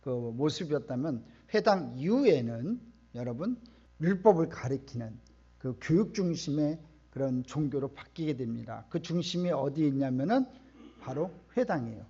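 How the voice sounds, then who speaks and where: Emphatic Korean pastor preaching, husky voice. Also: male voice, on the high side, sing-song, normal speed, dull audio. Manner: emphatic, rising to loud outbursts, asks the congregation questions. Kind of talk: sermon. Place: church sanctuary.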